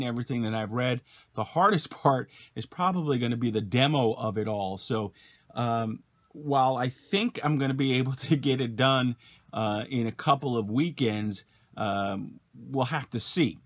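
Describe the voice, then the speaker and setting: A man in his forties vlogs from a parked motorhome, talking to the camera in a mid-range voice at moderate speed with no room sound. The close camera mic picks up his relaxed delivery, frequent "uh" fillers and cheerful goodbye.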